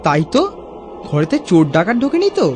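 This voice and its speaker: An actor playing an excitable, friendly boy in a children's cartoon. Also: medium pitch, fast, slight background noise, lightly acted. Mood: frightened. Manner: eager, exclaiming.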